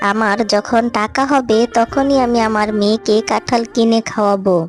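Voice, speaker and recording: A worried mother fox, acted by a woman in a cartoon, poor and widowed. Her slightly high voice swings between scolding and pleading, with soft music underneath. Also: fairly even intonation, normal speed, close to an everyday voice. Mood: hurt. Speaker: narrator as well. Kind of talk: cartoon voice acting.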